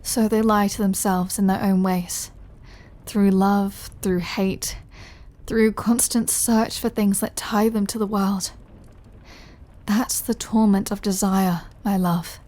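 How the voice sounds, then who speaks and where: A woman playing a centuries-old vampire lover in an intimate audio roleplay, tender and brooding, speaking softly and confidingly and often dropping to a whisper. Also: mid-range voice, steady tone, takes it slowly, natural voice. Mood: brooding, honest.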